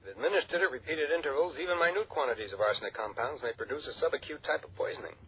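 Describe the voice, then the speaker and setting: A man's voice: a little high, dull audio, slight background noise, lightly acted. A man playing an earnest young male doctor explaining clinical detail in a 1960s radio drama. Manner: brisk, clinical, then uneasy.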